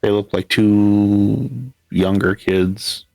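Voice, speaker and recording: Low-voiced male game master. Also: very slow, gravelly, dry recording, faint music behind, rough recording. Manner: relaxed, rambling with many fillers. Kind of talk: narrating a tabletop game.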